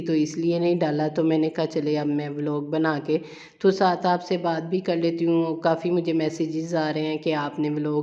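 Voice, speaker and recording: A woman's voice: low voice, dull audio. A middle-aged woman, chatting casually to viewers while she cooks in her home kitchen. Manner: chatty, homely, repeats herself warmly. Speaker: vlogger. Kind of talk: casual chat while cooking.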